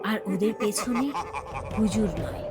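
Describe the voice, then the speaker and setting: A woman's voice: medium pitch, steady tone, measured pace, over loud music. A woman narrating a scripted horror story for a cartoon.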